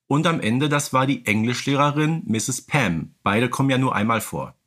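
A man's voice: medium pitch, expressive, normal speed, fairly bright tone. A man hosting a podcast, talking casually in a fan discussion. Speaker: podcast host.

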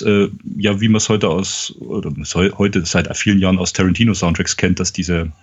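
A podcast host, a man with a low, husky voice, chats casually about a film and animatedly acts out its dialogue. The recording sounds dull and lo-fi. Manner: animated retelling of scenes, acting out dialogue.

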